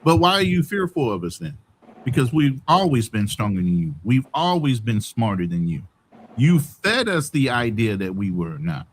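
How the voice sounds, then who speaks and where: A man's voice: medium pitch, big pitch swings, moderate pace, slight background noise. A man co-hosting a casual talk show, speaking in an emphatic, preachy way.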